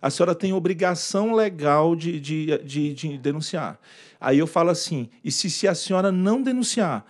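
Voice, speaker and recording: In an informal lecture on workplace harassment law, a man gestures to slides and performs quoted exchanges for his audience. His voice is a little high, with lively intonation and a normal speed.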